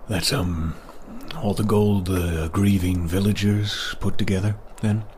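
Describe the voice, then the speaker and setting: A man's voice: deep voice, steady tone, measured pace, a little mellow, slight background noise. A man playing an easygoing, boastful monster hunter for hire in an audio drama, with a hesitant, rambling delivery. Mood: relaxed, wry. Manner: hesitant, rambling, munches while talking.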